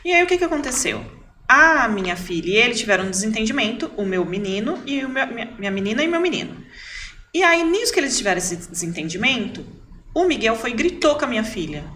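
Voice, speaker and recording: Fast, bright-voiced woman telling a story. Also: a little high, slight background noise. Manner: animated, repeats words for emphasis. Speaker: podcast guest. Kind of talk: casual storytelling.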